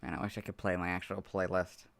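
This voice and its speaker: A hoarse man who has lost his voice, chatting casually on a livestream while editing, muttering to himself with apologetic asides. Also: low-pitched, level tone, quick pace, fairly bright tone, soft background music. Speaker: video creator streaming his editing. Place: home room, hot.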